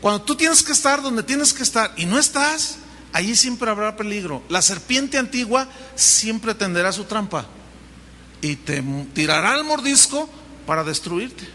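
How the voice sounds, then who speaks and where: A Mexican pastor preaches with a bright, lively delivery, voicing the people in his story as he goes. His voice rings through a large hall with a long reverb. A faint hum of the room sits underneath. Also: sits high, unhurried. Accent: Mexican Spanish. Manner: animated storytelling, acting out dialogue. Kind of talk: sermon. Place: church hall.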